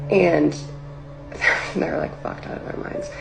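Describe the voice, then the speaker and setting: Young woman with a gravelly, low voice. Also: big pitch swings, drawn-out words, music in the background, poor audio. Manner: rambling, heavy use of "like" fillers. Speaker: storyteller recounting a personal experience. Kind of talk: casual spoken storytelling. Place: livestream or video setup.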